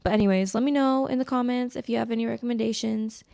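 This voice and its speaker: Talking fast in a creaky, darkish voice on the high side, an American woman chats casually as the sole host of her podcast. The close-miked sound is scratchy, with a hint of congestion.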